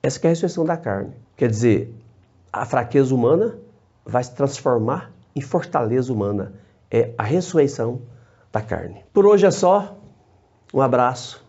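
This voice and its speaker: A Catholic priest, teaching theology in measured short phrases and often checking in with a tag question. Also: male voice, mid-range voice, expressive, mellow. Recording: dull lo-fi recording.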